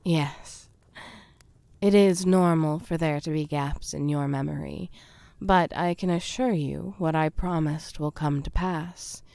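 A woman voicing a domineering, possessive fae queen, speaking in breathy whispers and giving commands. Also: low voice, steady tone, slow, mellow, no echo, full character voice. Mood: seductive, menacing. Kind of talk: audio roleplay.

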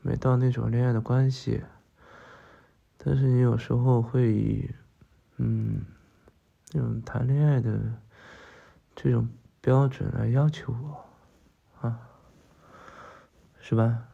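A man in a whispered role-play, talking softly and coaxingly to the listener, with many drawn-out soothing fillers. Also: mid-range voice, fairly even intonation, vocal fry, dull audio. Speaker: ASMR role-play performer.

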